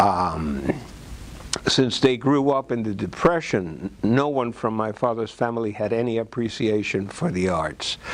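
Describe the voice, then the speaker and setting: A man talks at a medium pitch with lively intonation and a fairly slow pace. Noticeable background noise runs underneath. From Cuba. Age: 60s. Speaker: film and music figure. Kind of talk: autobiographical storytelling. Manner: halting, many fillers.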